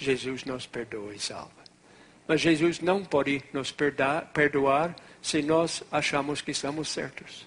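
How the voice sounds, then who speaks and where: The man's intonation is fairly even. He talks very slowly. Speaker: preacher. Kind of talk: sermon.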